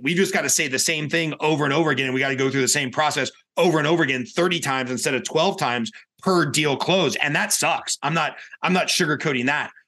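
Candid man with a higher-pitched voice. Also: bright, forceful tone. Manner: candid, colloquial, emphatic repetition. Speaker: guest, sales coach and speaker. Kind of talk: podcast interview, conversational advice.

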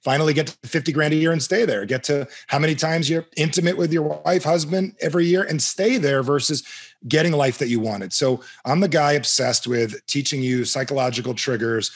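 A middle-aged man from New Jersey, a guest coach and author, talking confidently with a punchy salesman's push and quick repeats. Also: a little high. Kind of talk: energetic self-introduction in an interview.

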